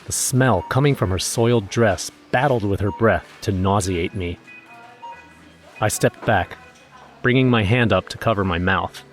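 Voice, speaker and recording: A low-pitched actor as a male everyman tells a first-person horror tale. His delivery is wry and measured with an uneasy edge, over a faint music bed. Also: lightly acted. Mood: tense, disgusted. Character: wry, nervous everyman narrator recounting a snowstorm errand.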